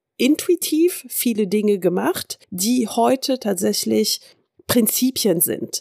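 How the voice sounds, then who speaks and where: Very slowly, a woman speaks in a dark, mellow tone at a fairly high pitch, with vocal fry and very wide pitch swings. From France, bilingual French-German. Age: 40s. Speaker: team leadership mentor and podcast host. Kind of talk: solo podcast monologue.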